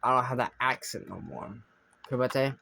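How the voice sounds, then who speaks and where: A man's voice: medium pitch, expressive, normal speed, gravelly, pushed and bright, slight background noise. A young man casually commentating his own gameplay as a streamer, rambling and thinking aloud, often trailing off mid-sentence. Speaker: gaming streamer.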